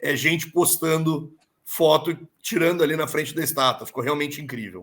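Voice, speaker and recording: A man with a southern Brazilian accent and a fairly high pitch, at a moderate pace with fairly even intonation. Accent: gaúcho Brazilian Portuguese. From Rio Grande do Sul, southern Brazil. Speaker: motor racing event executive. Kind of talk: interview.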